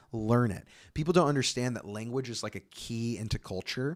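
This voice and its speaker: Spoken in an animated tone with a Midwestern American accent, this very clean recording has a silent background. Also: man. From Chicago area, Illinois. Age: 20s. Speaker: YouTuber. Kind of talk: casual live stream chat. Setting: studio.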